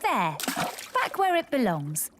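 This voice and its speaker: A woman's voice: a little high, huge pitch swings, takes it slowly, background noise, full character voice. A woman playing a cheery, patient British primary school teacher with a sing-song manner in a children's cartoon.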